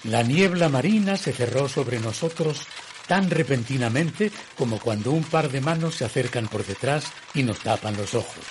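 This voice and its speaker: An actor playing a reflective gentleman who narrates his own eerie tale in a radio drama, in a measured, literary manner. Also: medium pitch, animated, noisy background, natural voice. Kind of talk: scripted first-person radio drama narration.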